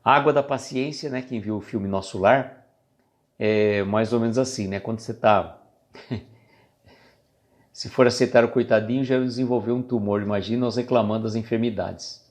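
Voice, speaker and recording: A man's voice: lowish voice, fairly even intonation, normal speed. A man with a Brazilian Portuguese accent hosting a live stream and giving a casual spiritual reflection in a chatty, conversational way. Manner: conversational, chatty, greets viewers, loses his thread.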